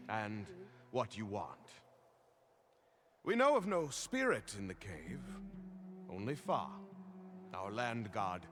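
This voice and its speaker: An actor playing a proud, fatalistic tribal religious elder in a video game, speaking in a solemn, formal and pompous way. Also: male voice, mid-range voice, a bit bright. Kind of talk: dramatic video game acting.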